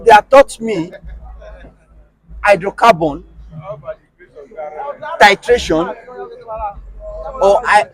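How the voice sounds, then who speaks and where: A Nigerian man with a Nigerian accent, speaking as an interview guest in casual conversation, animated and emphatic, firing rhetorical questions. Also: high-pitched, extremely slow, long pauses, poor audio.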